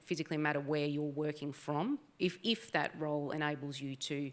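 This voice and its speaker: Speaking at a fairly quick pace with an Australian accent, a woman uses a very deep, low pitch on a very clean recording with a silent background. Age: 40s. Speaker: mining industry panelist. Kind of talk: panel discussion.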